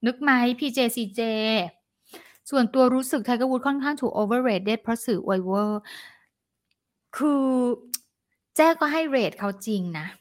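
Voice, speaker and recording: A woman's voice: a little high, a little slow, long pauses. A woman telling a celebrity gossip story in a dramatic, chatty way, acting out the quoted lines.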